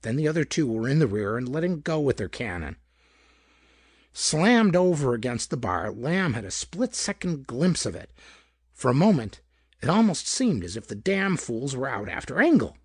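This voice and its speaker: A man narrating a pulp detective story in a gravelly, husky voice, with dramatic storytelling delivery. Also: medium pitch, no room sound, studio quality. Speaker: audiobook narrator. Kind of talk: scripted narration of hardboiled pulp detective fiction.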